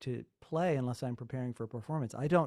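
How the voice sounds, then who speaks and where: The recording is very clean with a silent background as a man talks with ordinary pitch variation. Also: dry, close sound with no echo. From US South, Atlanta, Georgia. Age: 50s. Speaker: jazz musician and composer. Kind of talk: casual conversation.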